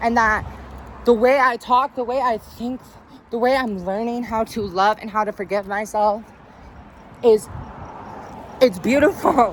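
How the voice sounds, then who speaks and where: A woman at a fairly slow pace with long, frequent pauses and ordinary pitch variation, over noticeable background noise. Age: 20s. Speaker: vlogger. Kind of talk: personal confessional monologue. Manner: loud; emotional, earnest.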